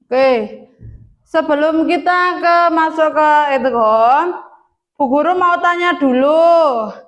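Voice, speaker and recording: A woman's voice: high-pitched, slow, faint music behind. A young woman teaching a primary class in a classroom, speaking with an Indonesian accent and coaxing her pupils with questions.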